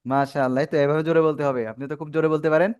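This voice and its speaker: A man's voice: a little high, fairly even intonation, rapid-fire, darkish tone, clear, resonant tone, lo-fi sound. A man teaching a Quran reading class to children over a video call, patiently prompting pupils and praising their answers. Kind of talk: online class instruction.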